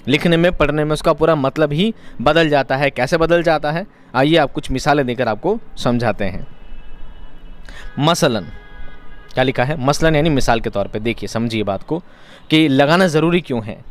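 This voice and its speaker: A man's voice: fairly high pitch, moderate pace, faint music behind. A man teaching an exam-prep lesson, explaining each point by repeating it in other words and asking rhetorical questions.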